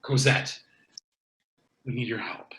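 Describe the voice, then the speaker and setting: A man playing an exasperated, mock-serious young video store worker in an animated comedy table read, in a roomy recording. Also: mid-range voice, slow pace. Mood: urgent.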